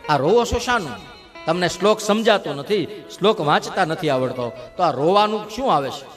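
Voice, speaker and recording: A man's voice: high-pitched, lively intonation, normal speed, music in the background. A man playing a revered male saint in a devotional story, speaking with earnest, pleading questions. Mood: questioning.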